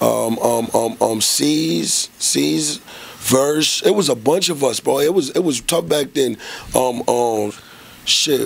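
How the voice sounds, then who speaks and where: Very slowly, a man speaks with very even loudness. His pitch swings very widely. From New York. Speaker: battle rapper. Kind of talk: casual interview. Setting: studio. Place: studio. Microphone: studio mic.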